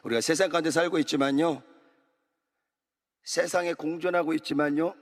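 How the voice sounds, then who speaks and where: A man's voice: on the high side, fairly even intonation, moderate pace. A man preaching an early morning sermon as pastor, exhorting the congregation and calling for amens and repeated phrases. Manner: exhorting, calls for amen and repetition. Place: large church sanctuary. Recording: long church hall reverb.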